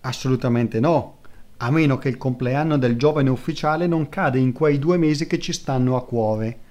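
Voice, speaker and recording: A man reading aloud as a courtly, persuasive male court painter who speaks slowly and flatteringly. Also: mid-range voice, lightly acted. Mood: measured. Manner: slow, smooth and flattering.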